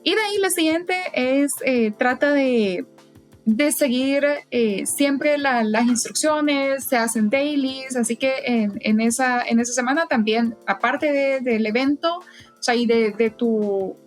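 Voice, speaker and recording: Higher-voiced woman guest, hesitant speech. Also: takes it slowly, soft background music. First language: Spanish. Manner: hesitant, many "eh" fillers and restarts. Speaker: podcast guest, event volunteer. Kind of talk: casual interview advice.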